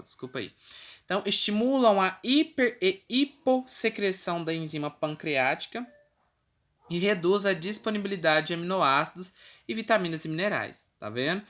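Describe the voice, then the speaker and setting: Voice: mid-range voice, fairly bright tone. A teacher with a Brazilian Portuguese accent giving a recorded class, explaining step by step with frequent checking tags and the odd self-correction. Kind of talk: recorded online class lecture.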